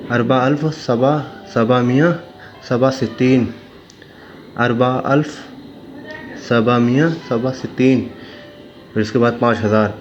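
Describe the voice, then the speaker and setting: A man teaching a slow, repetitive lesson, saying each number again and again and correcting mistakes in the book. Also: mid-range voice, muffled recording. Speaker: Arabic teacher.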